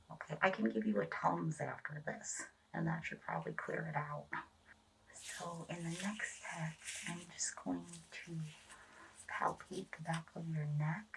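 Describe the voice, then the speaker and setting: A woman playing a gentle, eccentric doctor in an ASMR medical roleplay, whispering and murmuring in a hushed, hesitant, reassuring way. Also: low voice, gravelly, recorded from a distance, full character voice, poor audio. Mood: clinical, soothing. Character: gentle eccentric female doctor at a monster-mutation lab.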